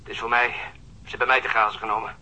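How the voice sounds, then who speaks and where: An actor playing a shaken, irritated police detective, curt and urgent, heard through a telephone filter in a radio drama. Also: male voice, medium pitch, little pitch movement, very fast, pushed and bright, rough recording. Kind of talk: naturalistic radio drama acting.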